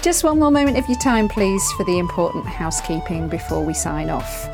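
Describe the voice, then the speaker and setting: A woman hosting a podcast, chatting with a guest and closing the episode, effusive and grateful in manner. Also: medium pitch. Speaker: podcast host. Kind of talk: casual interview and podcast outro.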